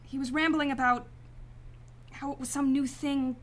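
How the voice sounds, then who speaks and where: Female client for audio mystery, played by a woman: firm, formal, guarded, high voice, light background noise. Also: fairly even intonation, normal speed, lightly acted. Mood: grave. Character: determined, guarded female client seeking her brother's killer. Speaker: actress in a radio play. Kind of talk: sci-fi radio drama acting.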